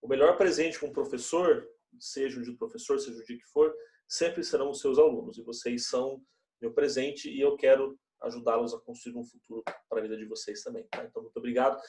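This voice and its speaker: Speaking at a medium pitch with a warm tone, a young teacher leads a religious education class informally, sprinkling his talk to students with frequent tag questions. The mic sits at a distance and the room echoes.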